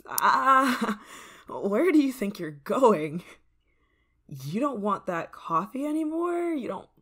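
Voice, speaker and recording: A woman voicing an obsessive, controlling neighbor in an ASMR roleplay, soft-spoken and slipping into whispers with a sweet, creeping menace. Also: on the high side, very animated, slow pace, exaggerated voice. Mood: menacing.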